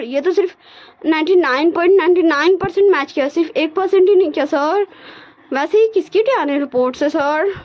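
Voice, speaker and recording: A high, tearful young man who pleads like a child and sobs over his lost mother, as a woman storyteller puts him on. The voice rides well above her usual register, and the recording sounds dull and lo-fi. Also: close to an everyday voice. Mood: chatty.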